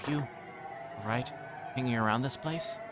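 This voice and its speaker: A friendly teenage boy played by a man reading aloud speaks in a raised pitch, gentle and questioning with concern. Music plays clearly behind this visual novel dialogue. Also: unhurried, natural voice. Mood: worried.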